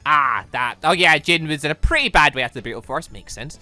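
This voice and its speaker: A gaming host giving excitable, rambling commentary and reading visual novel dialogue aloud, often repeating words. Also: medium pitch, brisk, no echo. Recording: music behind the voice. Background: background music.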